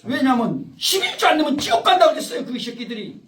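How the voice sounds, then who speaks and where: A man's voice: very high voice, very animated, fast talker, a bit bright. A man giving an informal, rambling lecture to a small group, often interrupted by the audience. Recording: echoey room, far from the mic.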